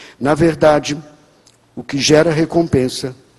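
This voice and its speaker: A man talks at a very slow pace and a fairly high pitch. His voice is somewhat breathy. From Rio de Janeiro, Brazil. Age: 60s. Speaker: pastor. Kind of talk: sermon. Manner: storytelling.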